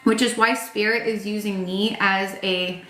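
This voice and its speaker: Hoarse-edged chatty woman in her thirties. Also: medium pitch, fairly even intonation, measured pace, a bit bright, roomy sound, slight background noise. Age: 30s. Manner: frank, chatty, swears, lots of "like" and "um". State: tired voice starting to crack. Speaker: tarot reader. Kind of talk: casual tarot reading to camera.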